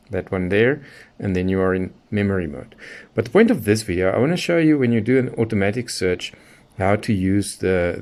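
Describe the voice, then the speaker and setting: A man's voice: lowish voice, a little mellow. A middle-aged man giving a casual hands-on tutorial, explaining things step by step as a gadget reviewer. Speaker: radio reviewer demonstrating features.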